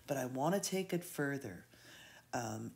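A woman's voice: very deep voice, animated, a little slow, darkish tone. A woman with a head cold, rambling and hesitant with many fillers, giving an unscripted painting tutorial. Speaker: art instructor.

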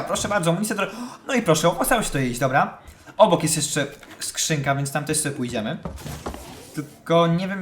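A man giving chatty live commentary on a horror game, excitable and shouting when scared. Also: a little high, a little hiss or hum. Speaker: let's play gamer.

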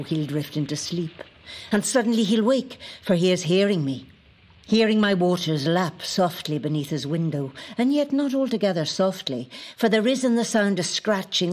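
A woman's voice: lowish voice, darkish tone, breathy edge. A woman playing the possessive, capricious spirit of a lake in a poetic audio drama, speaking in an intimate, incantatory way. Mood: yearning, haunting.

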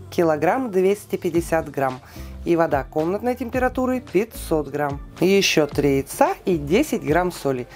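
A woman giving a calm, precise step-by-step cooking voice-over, listing weights and steps, with soft music behind her. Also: fairly low pitch. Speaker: cooking channel host.

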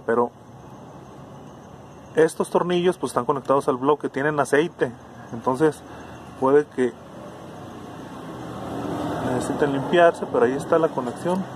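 A man's voice: medium pitch, unhurried, long pauses, slight background noise. A man giving a casual, hands-on car repair lesson under the hood, thinking aloud with restarts. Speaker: car electronics tutor.

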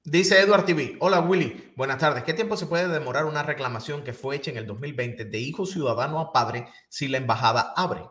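Host reading viewer questions. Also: male voice, fairly high pitch, a little fast, few pauses, a bit bright. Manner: reads viewer questions aloud evenly. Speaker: news show host. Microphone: studio microphone on boom.

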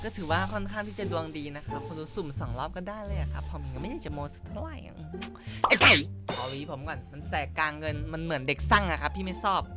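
A man giving excitable, crude, joking commentary while he plays a game, often yelling, close on a desk mic. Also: fairly high pitch, fast talker, over loud music. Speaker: gaming YouTuber. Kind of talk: gameplay commentary.

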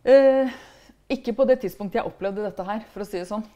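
A woman's voice: mid-range voice, dark tone. Frank, chatty middle-aged woman guest. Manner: chatty, frank, tags remarks with questions. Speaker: author guest. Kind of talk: casual conversational interview.

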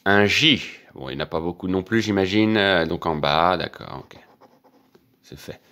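A man, quietly commenting as he scratches lottery tickets for his channel. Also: deep voice, normal speed. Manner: quiet running commentary, excited when winning. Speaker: scratch-card vlogger.

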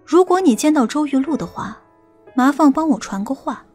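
A woman playing a stern, sharp-tongued police officer in an audiobook, commanding and scolding. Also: sits high, lively intonation, moderate pace, faint music behind. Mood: cool, stern. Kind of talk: audiobook character acting.

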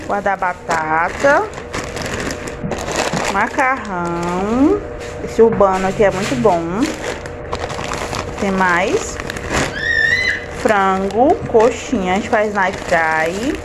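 A woman from Fortaleza, Brazil, in her 20s, vlogs for her family channel on a handheld phone camera, chatting and listing groceries as she unpacks them at home in the kitchen. She speaks slowly with frequent pauses, in a mid-range voice with lively intonation, while a washing machine rumbles in the noisy house.

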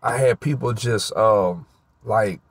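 A man giving his spoken Christian testimony outdoors in a park. He is teary, his voice a little mushy, and he speaks in a halting, rambling way, searching for words. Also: fairly low pitch, a little hiss or hum. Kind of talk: emotional spoken testimony to camera.

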